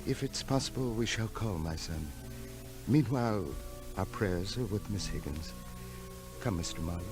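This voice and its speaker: Man acting solemn, low-voiced kindly priest. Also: music in the background, lightly acted. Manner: formal, deliberate, pausing. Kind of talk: 1940s radio drama acting. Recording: old radio drama recording.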